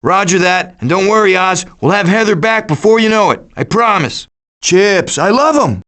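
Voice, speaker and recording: Cartoon game raccoon: high, swooping voice, glib scheming wisecracker. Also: male voice, expressive, normal speed, fairly bright tone. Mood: smooth, glib. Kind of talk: animated video game voice acting.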